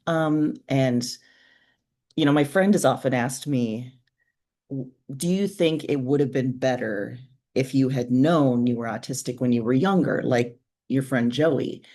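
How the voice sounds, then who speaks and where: Low-voiced woman in her forties, reflective. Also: measured pace, warm tone. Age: 40s. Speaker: guest author. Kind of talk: candid conversational interview.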